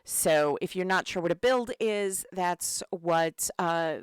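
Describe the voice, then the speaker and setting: Woman community manager with a cold, laid-back stream host, slow delivery, smooth tone. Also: on the low side, no room sound, clean studio sound. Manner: chatty and relaxed, many fillers, greets chat. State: has a cold. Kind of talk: casual live-stream commentary.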